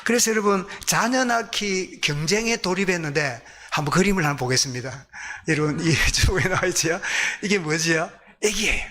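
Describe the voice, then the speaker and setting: A man with a Gyeongsang accent preaching a sermon as pastor, lively, asking the congregation questions. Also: high-pitched, fairly quick. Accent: Gyeongsang Korean.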